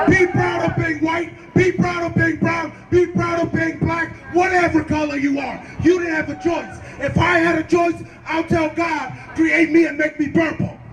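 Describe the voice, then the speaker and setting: A man in his twenties from American Samoa shouting a defiant speech at a street rally. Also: extremely high pitch. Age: 20s. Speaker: rally speaker. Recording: distant echoey outdoor crowd clip with music. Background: crowd and music.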